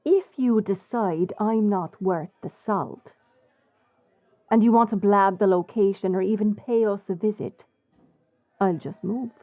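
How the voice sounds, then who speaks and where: A woman playing a brash, crafty pirate smuggler in an audio drama, speaking in a blunt, wry, unhurried way. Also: medium pitch, no echo, narrow, tinny audio, lightly acted. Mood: confident, pitching. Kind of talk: swashbuckling audio roleplay acting.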